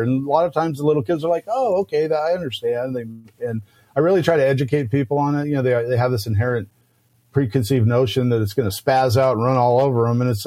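A man with an ordinary middle-pitched voice talks in a relaxed, chatty way as a podcast guest. He keeps breaking into little acted voices as he tells his stories. The sound is dry and close, with no room around it. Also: dry recording. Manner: lively storyteller who acts out snakes and customers in quick voices. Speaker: guest snake breeder. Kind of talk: casual podcast chat.

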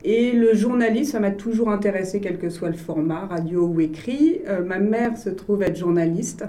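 A woman's voice: mid-range voice, normal speed, dark tone. A woman with a Parisian French accent, answering conversationally as an interview guest. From Paris, France. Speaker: interview guest, health services executive.

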